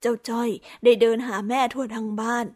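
A woman calmly narrating a children's story. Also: on the high side, brisk. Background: background music.

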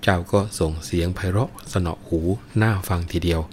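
Man doing a grieving young wife from a folk tale, lamenting, pleading, very deep voice. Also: normal speed, a little hiss or hum, close to an everyday voice.

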